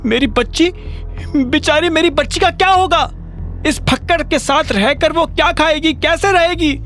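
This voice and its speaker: A woman's voice: unhurried, a bit bright, soft background music. A man voicing a scornful, overprotective mother in an audio drama, wailing and exaggerating. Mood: outraged. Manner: wailing, exaggerated, high-pitched.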